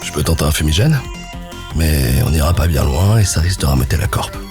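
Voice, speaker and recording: Male actor as grumbling young sidekick, low pitch, animated intonation, dry, squeamish, visual novel, music behind. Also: fairly quick. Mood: tense, dry.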